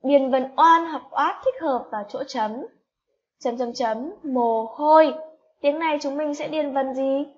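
Slow, high-voiced woman teacher spelling for children. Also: a little hiss or hum. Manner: drawn-out syllable-by-syllable spelling, coaxing questions to children. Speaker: primary school teacher. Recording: slightly dull lo-fi recording.

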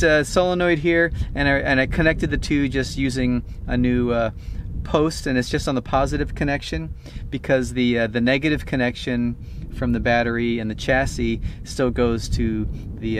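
A man's voice: mid-range voice, a little hiss or hum. A man in his fifties, an RV vlogger, casually explaining a DIY setup step by step with frequent "uh" restarts, filmed at arm's length outdoors and in a van cab.

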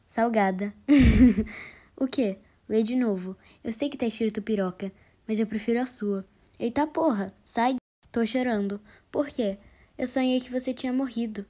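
A woman reading out comic chat exchanges, voicing both sides with quick, deadpan delivery. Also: fairly high pitch. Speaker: narrator reading chat jokes.

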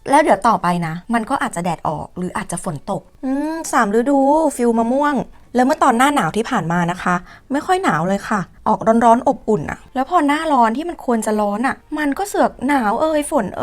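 A young woman from Thailand chats away in a casual vlog, playful and joking with cheeky slang. Her voice sits a little high for a woman. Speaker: vlogger.

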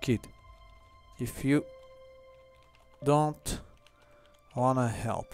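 A Brazilian man giving excited gameplay commentary, yelling, cursing and switching into English to talk with other players. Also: mid-range voice, extremely slow, soft background music. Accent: Brazilian Portuguese. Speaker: gameplay streamer.

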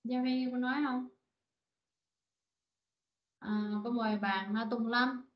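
Woman, English teacher, online lesson, slow repetitions, slightly high voice, dull lo-fi sound. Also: steady tone. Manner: repeats words slowly, explains in short phrases.

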